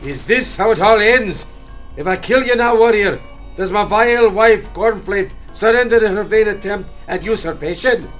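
A man's voice: high-pitched, moderate pace, fairly bright tone, faint music behind. An actor playing a proud, menacing old king, commanding and sneering in an audio drama. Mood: scornful. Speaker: villain.

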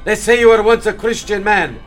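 Man voicing old king, scornful, high-set voice, commanding. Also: fairly quick, a bit bright, soft background music. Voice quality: commanding, sneering. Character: old proud menacing Irish king. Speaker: villain. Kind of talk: audio drama acting.

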